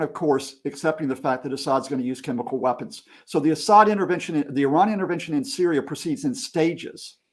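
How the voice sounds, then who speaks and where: A man with a fairly high voice speaks as an academic guest on a panel. He lays out political events like a story, in short and emphatic clauses. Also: a little mellow.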